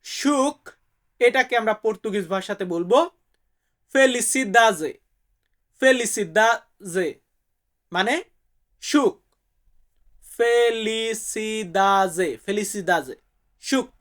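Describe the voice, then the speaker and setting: Slow-speaking man teaching vocabulary. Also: high voice, expressive, fairly bright tone. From Bangladesh. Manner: slow, repeats each word, asks viewers to repeat; friendly, calls viewers brother. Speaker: language teacher. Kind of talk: vocabulary lesson for viewers.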